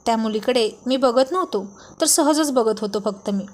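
Storybook role: a smitten, bashful young brother-in-law, pleading and eager, read by a woman in a fairly high voice. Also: moderate pace, a little mellow, close to an everyday voice. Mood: teasing bashful.

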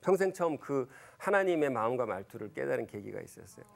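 A man's voice: fast talker, vocal fry. A man in his fifties giving a church lecture, retelling Bible scenes and family stories with many fillers and self-corrections, acting out the quoted lines. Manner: animated, acts out quoted lines with big pitch jumps. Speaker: Christian lecturer.

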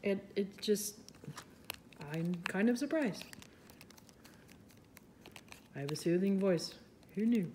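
A woman's voice: medium pitch, lively intonation, measured pace, warm tone, slight background noise. A woman chatting casually as she demonstrates resin crafting at a table, thinking aloud and poking fun at herself, with a voice others call soothing. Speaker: resin artist, channel host. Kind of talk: casual crafting tutorial narration.

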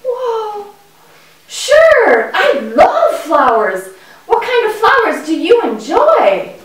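A woman voicing an excitable, friendly young boy in a children's puppet show, with exaggerated, wide-eyed delivery. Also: very high-pitched, slow, full character voice. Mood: amazed. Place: indoor room with puppet stage. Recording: echoey room, distant microphone.

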